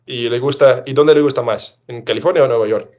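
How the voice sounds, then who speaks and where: A man's voice: medium pitch, fairly quick, darkish tone, highs cut off. A young man hosting a casual conversation, asking questions and steering the talk.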